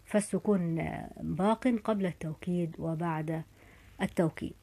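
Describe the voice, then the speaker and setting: A woman teaching an Arabic grammar lesson, explaining step by step and saying example words slowly and carefully, with frequent hesitations. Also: lowish voice, mellow. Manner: methodical, says example verb forms slowly and carefully.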